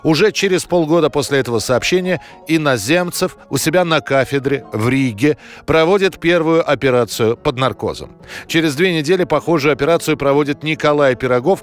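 A man presenting a history programme, reading scripted documentary narration. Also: mid-range voice. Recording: music under the voice. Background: background music.

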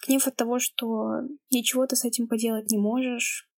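Calm young woman, slightly high voice. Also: moderate pace. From Kamchatka, Russia. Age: late teens. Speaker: storyteller. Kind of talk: personal account, reflective narration.

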